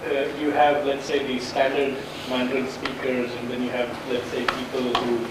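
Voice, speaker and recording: A man's voice: mid-range voice, monotone, normal speed. A man asking a technical question from the audience, methodically restating things to clarify. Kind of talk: technical discussion from the floor. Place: room, speaking from audience away from mic. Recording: very echoey, distant, loud background noise.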